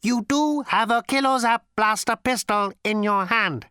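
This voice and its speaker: A man voicing an ancient, cold and lifeless robot with a cultured rasp, speaking flatly and patiently. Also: sits high, unhurried, no room sound, studio quality, voice pushed up. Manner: flat, patient, menacing.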